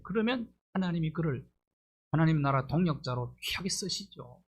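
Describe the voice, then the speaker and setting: A man's voice: a little high, expressive, moderate pace, slightly rough. A middle-aged male pastor delivering a sermon, pressing his points with rhetorical questions and rising emphasis.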